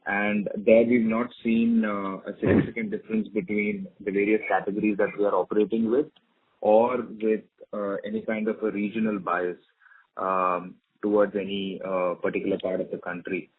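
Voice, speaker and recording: Low-voiced man on a phone line. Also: level tone, normal speed, slightly rough. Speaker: company executive. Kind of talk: earnings call answers. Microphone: conference call phone line. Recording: narrow phone-like conference line.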